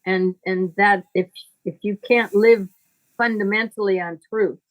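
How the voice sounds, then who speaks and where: A woman speaking conversationally as a spiritual teacher, deliberate and emphatic, with a moralizing way of talking. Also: mid-range voice, fairly even intonation, poor audio.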